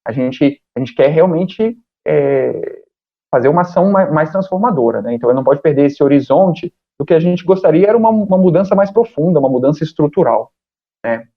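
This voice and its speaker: A man, speaking as a podcast guest, thinking aloud with frequent pauses and fillers. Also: a little high, expressive. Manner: thoughtful, hesitant, many fillers. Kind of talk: casual conversation. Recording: dull lo-fi sound.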